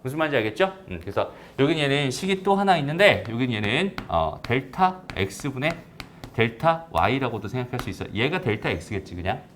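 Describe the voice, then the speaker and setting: Lively-voiced male math teacher. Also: medium pitch, normal speed, slight background noise. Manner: casual, checks understanding with frequent tag questions. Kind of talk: recorded math lecture.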